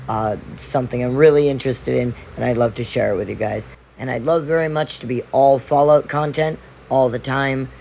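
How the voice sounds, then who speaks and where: A hoarse man losing his voice, narrating a playful explainer vlog as its host. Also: mid-range voice, slight background noise. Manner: animated, playful storytelling. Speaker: video host.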